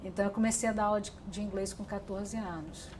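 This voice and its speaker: A woman's voice: medium pitch, fairly even intonation, fast talker, background noise. A middle-aged woman, telling her life story in an oral history interview, thoughtful and full of restarts. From Brazil. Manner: reflective, with frequent restarts and fillers.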